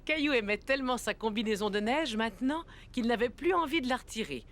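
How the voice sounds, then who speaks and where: A woman narrating a children's cartoon like a gentle storybook reader. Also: fairly high pitch, animated, a little fast, slight background noise. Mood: warm storytelling.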